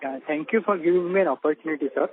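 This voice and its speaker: A male investor with an Indian accent asks questions on a conference call. His voice is high for a man and sounds tinny down the phone line. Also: racing. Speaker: investor caller.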